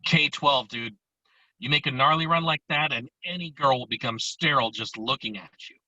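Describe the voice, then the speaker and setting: A man playing a laid-back, slangy teenage slacker best friend in an amateur table read, with a deadpan way of talking. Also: mid-range voice, moderate pace, no echo. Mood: deadpan, casual. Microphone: virtual table read over video call. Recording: dull lo-fi video call audio.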